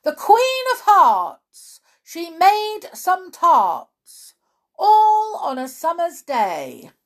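A woman's voice: extremely high pitch, huge pitch swings, pitched above the performer's own voice, heavily acted. A woman voicing a fussy male white rabbit who proclaims officiously as a court herald in a storybook. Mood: proclaiming, officious. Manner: proclaiming, officious, drawn-out cries.

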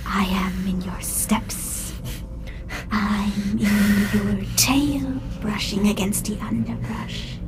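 A woman playing a menacing, taunting spirit in a fantasy audio drama, with theatrical, drawn-out, often breathy delivery. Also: medium pitch, fairly even intonation, over music, close to an everyday voice. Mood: taunting menace. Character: menacing, taunting, ancient spirit who hunts mortals.

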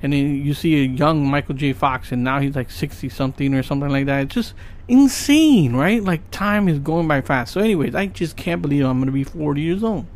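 A man's voice: fairly high pitch, brisk, a little mellow. A man in his late thirties talking casually and earnestly about his goals, rambling with many fillers and asking "right?" often. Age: 30s. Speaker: podcast host. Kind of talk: casual motivational monologue.

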